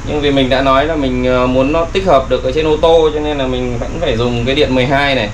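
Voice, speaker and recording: A man from Vietnam explaining his homemade battery build in a casual how-to vlog, relaxed and unhurried with frequent fillers. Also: mid-range voice, poor audio. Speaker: DIY vlogger. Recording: noticeable background noise.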